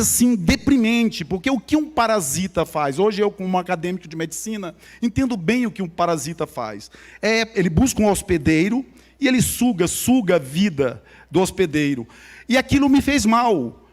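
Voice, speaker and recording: Speaking with a local Maranhão accent of Brazilian Portuguese, a high-voiced man from São Luís shares his testimony as a guest speaker at church. He tells it like a conversational story, talking straight to the congregation.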